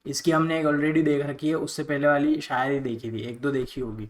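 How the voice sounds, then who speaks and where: Chatty reaction-video host, slightly high. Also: male voice, a little fast. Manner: relaxed and chatty. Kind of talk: casual intro to a reaction video.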